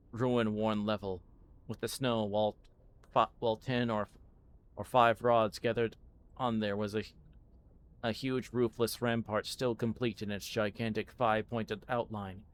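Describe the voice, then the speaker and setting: Low-pitched man reading a story aloud. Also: smooth. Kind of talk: live audiobook-style story reading.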